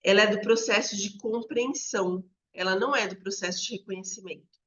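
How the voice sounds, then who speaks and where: A woman's voice: medium pitch, steady tone, brisk, fairly bright tone. A woman explaining reading instruction step by step, often checking in with listeners. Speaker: literacy educator. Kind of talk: explanatory teaching talk. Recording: slightly dull lo-fi recording.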